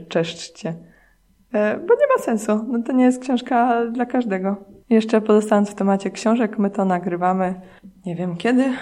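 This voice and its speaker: A woman's voice: lowish voice, darkish tone. A woman hosting a podcast, chatting casually about books in a chatty way, with frequent hesitations. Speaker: podcast host. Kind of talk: casual book chat and reading.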